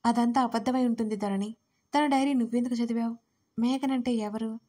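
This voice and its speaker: A woman's voice: fairly high pitch, fairly even intonation, a little fast, dark tone, lightly acted. A woman voicing a worried young woman who presses her crying friend with questions.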